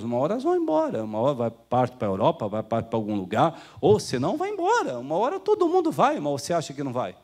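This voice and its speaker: A man's voice: mid-range voice, a little mellow. A man with a Brazilian Portuguese accent preaching a sermon as pastor, talking to the congregation like brothers and acting out the people he quotes. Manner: conversational preaching, calls listeners "irmão", acts out quoted voices.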